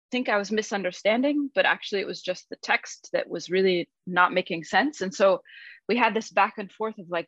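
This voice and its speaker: A woman speaking as a podcast guest, explaining her translation work in a thoughtful, measured conversational way. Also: medium pitch, a bit bright, dry recording. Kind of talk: conversational discussion. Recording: dull, dry lo-fi sound.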